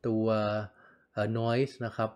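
A man's voice: medium pitch, level tone, takes it slowly, darkish tone. A man giving a casual product review. He talks in a loose, chatty way, repeats himself, and speaks into a small USB condenser mic on a desk in an indoor room. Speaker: gadget reviewer.

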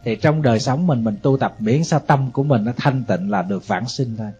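A man's voice: medium pitch, brisk, mellow, husky. A male Buddhist monk with a Southern Vietnamese accent, preaching in a conversational way and asking the audience rhetorical questions. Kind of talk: Buddhist sermon. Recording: dull lo-fi audio, faint music behind.

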